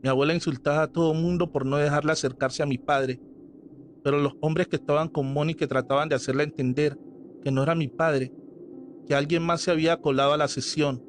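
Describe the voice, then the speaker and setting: A man reading a scripted horror story aloud as narrator, in a slow, measured storytelling manner. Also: a little high, fairly even intonation, slight background noise. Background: faint background music.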